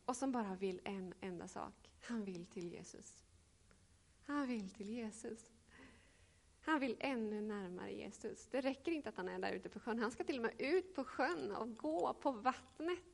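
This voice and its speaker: A woman in her thirties giving a reflective sermon and reading scripture, pausing often with hesitations. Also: a little high, gravelly. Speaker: preacher.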